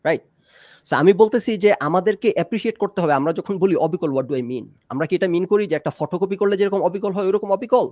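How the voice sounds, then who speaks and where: With lively intonation and a high, slightly mellow voice, this man talks a little fast as he argues in a casual debate on a live stream. He's a discussion guest who slips English phrases into his Bengali, recorded with no echo.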